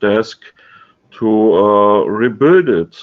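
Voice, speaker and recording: Speech comes at a very slow pace with a German accent. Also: man. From Germany. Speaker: caller. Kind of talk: asking a question. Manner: halting.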